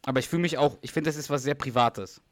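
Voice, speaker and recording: Male podcast co-host, a bit hoarse, dry close sound, retells scenes at length with fillers and restarts. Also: medium pitch, fast talker, no echo. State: slightly hoarse, lost some voice. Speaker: podcast co-host recapping a sitcom episode. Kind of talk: casual chat.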